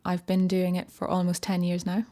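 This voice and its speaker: A woman in her thirties from Northern Ireland with a Northern Irish accent, telling her own life story in a relaxed, reflective, conversational way. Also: fairly low pitch, normal speed. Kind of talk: personal story narration. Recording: soft music behind.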